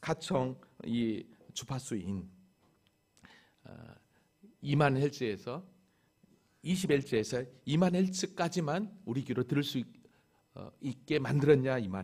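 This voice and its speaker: A somewhat breathy man at a very slow pace, with lively intonation, big swings in loudness, and long, frequent pauses. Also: fairly high pitch for a man. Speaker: pastor. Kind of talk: sermon. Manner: halting with fillers.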